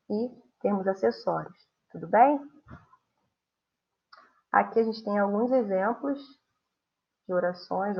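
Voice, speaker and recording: A young woman with a Brazilian Portuguese accent gives a grammar lesson, her voice slightly husky. She explains steadily and acts out example sentences with lively intonation. The recording sounds dull and lo-fi. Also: mid-range voice. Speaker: teacher.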